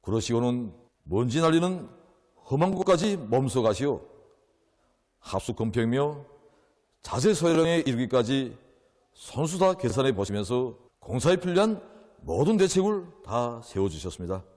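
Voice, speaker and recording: A man's voice: mid-range voice, big pitch swings, normal speed, a little mellow. A man with a North Korean accent giving a rehearsed, formal testimonial in a reverent manner. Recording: long echoing room reverb.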